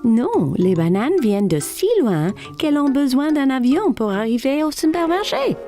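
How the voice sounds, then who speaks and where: A woman's voice: high-pitched, big pitch swings, normal speed, mellow, faint music behind. A woman voicing a patient, encouraging mother who explains things simply in a French-dubbed children's cartoon. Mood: explaining.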